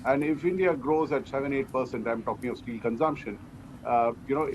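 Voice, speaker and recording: A man giving measured, explanatory answers as a company executive in an interview. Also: medium pitch. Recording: clearly noisy background.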